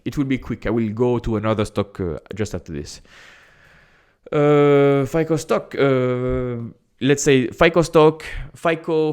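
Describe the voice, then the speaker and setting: A man with a strong French accent talks straight to camera in a casual, direct way. His voice sits in a middle pitch for a man. He repeats phrases and fills pauses with a quick "uh". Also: clear, resonant tone. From France. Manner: chatty and direct, repeats phrases, frequent "uh" fillers. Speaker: investing YouTuber.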